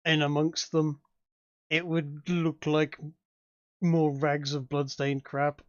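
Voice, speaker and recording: A man narrating a tabletop game as game master, improvising in a halting way with repeated words. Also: a little high, flat delivery, no room sound, lo-fi sound.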